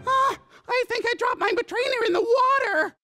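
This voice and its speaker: A man's voice: extremely high pitch, normal speed, sharp tone, faint music behind, pitched above the performer's own voice. A man doing a bossy wacky cartoon inventor.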